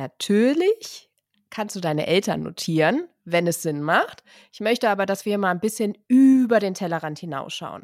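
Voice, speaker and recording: On a very clean recording with a silent background, a woman talks fairly slowly at a medium pitch, her intonation lively and her tone animated. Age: 40s. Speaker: podcast host, coach. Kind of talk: motivational monologue.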